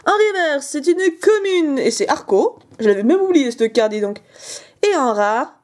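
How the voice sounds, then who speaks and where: High, excitable young woman. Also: normal speed. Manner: excitable, squealing, chatty, jokey. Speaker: card-opening video host. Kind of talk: excited casual unboxing commentary.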